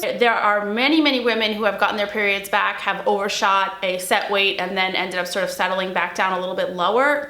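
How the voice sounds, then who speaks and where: A woman's voice: fairly high pitch, fairly bright tone, reverberant. A young adult woman, a recovery mentor, giving blunt, emphatic tough-love advice straight to camera. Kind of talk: direct-to-camera advice vlog.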